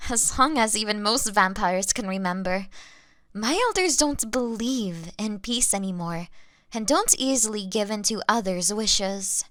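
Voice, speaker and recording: A woman playing a young vampire in an intimate audio roleplay, refined, gentle and apologetic, speaking in formal, polite, deliberate phrases. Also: mid-range voice, no echo, studio quality, natural voice. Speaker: audio drama performer.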